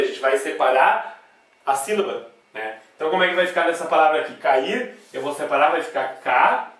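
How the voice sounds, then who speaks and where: A man's voice: on the high side, recorded from a distance. Brazilian man teaching in a very echoey room. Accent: Brazilian Portuguese. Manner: emphatic, repeats key words, ends phrases with "tá?". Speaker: grammar teacher. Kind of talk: classroom lesson at a board.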